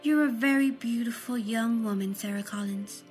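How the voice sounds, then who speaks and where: A woman playing a calm, reassuring clinician in a sci-fi audio drama, gentle and methodical. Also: fairly high pitch, normal speed, over music, lightly acted. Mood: calm reassurance.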